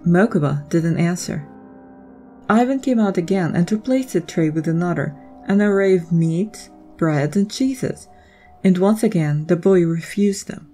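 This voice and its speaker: A woman's voice: lowish voice, measured pace, warm tone, faint music behind. A woman reading scripted story narration as the narrator of a drama.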